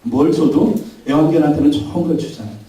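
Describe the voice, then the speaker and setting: A man's voice: a little high, fairly even intonation, fast talker, mellow. A man preaching a Sunday sermon as pastor, emphatic, leading the congregation in call-and-response. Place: large church sanctuary. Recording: very echoey church hall, mic at a distance.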